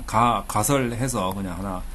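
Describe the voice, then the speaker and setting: A man's voice: on the low side, unhurried, bright, forceful tone. A man from Busan, giving a casual video lecture on thesis statistics and talking in a chatty way with fillers and playful jokes. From Busan, South Korea. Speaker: research institute director teaching thesis statistics. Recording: faint background noise.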